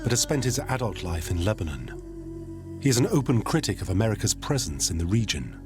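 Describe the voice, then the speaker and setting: Low-voiced male documentary narrator. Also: very animated, brisk, music in the background. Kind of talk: scripted narration.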